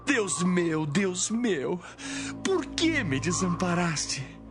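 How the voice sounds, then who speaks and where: An actor playing an anguished, crucified Jesus crying out in lament in a dramatised audio Bible. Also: male voice, sits high, big pitch swings, exaggerated voice. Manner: loud, drawn-out lament. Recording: music behind the voice.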